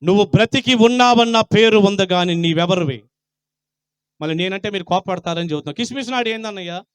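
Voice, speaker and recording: High-voiced man preaching fierce sermon. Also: fairly even intonation, brisk, clear, resonant tone, no echo. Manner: confrontational, rhetorical questions, swings from loud to quiet. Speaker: pastor. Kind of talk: Christmas sermon.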